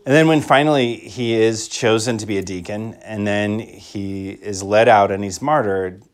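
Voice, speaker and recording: A man's voice: on the low side, normal speed. A man speaking as a Catholic priest, reading scripture and preaching a homily in a reflective manner, repeating phrases for emphasis. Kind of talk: liturgical Gospel reading and homily.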